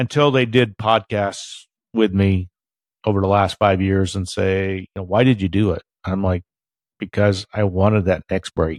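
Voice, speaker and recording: Recorded very cleanly against a silent background with a dry, close sound and no echo, a man with an American accent and a plain, everyday voice speaks at a moderate pace and a fairly low pitch with fairly even intonation. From Vermont, US. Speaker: retired racing driver. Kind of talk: interview.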